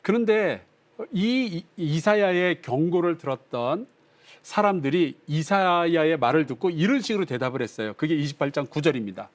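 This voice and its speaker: A male pastor teaching a Bible class on broadcast, reading scripture aloud and explaining it in a lively, conversational way. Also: fairly high pitch, normal speed. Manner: reads scripture aloud, acts out drunk voices playfully.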